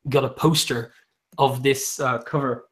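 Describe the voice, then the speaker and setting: A man's voice: medium pitch, fairly even intonation, a little slow. A man hosting a casual live-stream book chat who hesitates a lot, with frequent ums, restarts and laughs. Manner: laughs often while talking. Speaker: booktube host.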